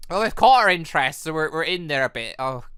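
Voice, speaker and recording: Brit girl doing a casual lets play, super animated, bright voice, dry close mic. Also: sits low, clear, resonant tone, no room sound, soft background music. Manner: excitable, halting exclamations. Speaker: gaming video host. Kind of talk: casual playthrough commentary.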